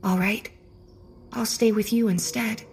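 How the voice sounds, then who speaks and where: A man voicing an eerie, pale, inhuman girl creature in a soft, breathy voice for an audiobook. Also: sits high, steady tone, unhurried, pitched above the performer's own voice, heavily acted. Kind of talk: audiobook character voice.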